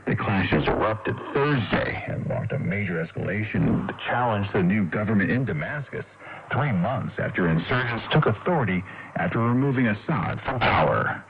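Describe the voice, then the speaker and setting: American newsman on noisy, narrowband shortwave. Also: fairly low pitch. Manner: formal, measured announcer delivery. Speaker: news anchor. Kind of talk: scripted radio news bulletin.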